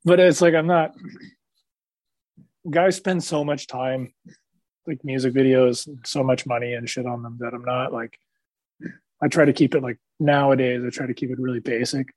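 A man being interviewed as a musician, relaxed and joking, laughing a lot and swearing freely. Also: mid-range voice, moderate pace, pauses often, no room sound, low-quality recording. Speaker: musician guest. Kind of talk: casual interview.

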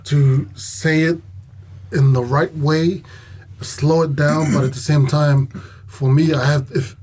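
A man's voice: fairly high pitch, flat delivery, takes it slowly, a little mellow. A man, a professional wrestler and guest chatting casually, laughing easily and restarting phrases as he goes. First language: Tongan. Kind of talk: casual podcast chat.

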